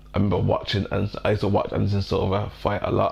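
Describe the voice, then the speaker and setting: This man talks with a strong Birmingham accent. He moves at a fairly quick pace. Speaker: boxing commentator / YouTuber. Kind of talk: casual vlog commentary. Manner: halting, many fillers and restarts.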